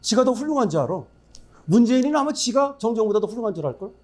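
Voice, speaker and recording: High, lively-voiced man giving a fiery speech. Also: racing. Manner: emphatic, rhetorical questions to the audience; blunt, scornful asides. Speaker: forum speaker. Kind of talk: political speech.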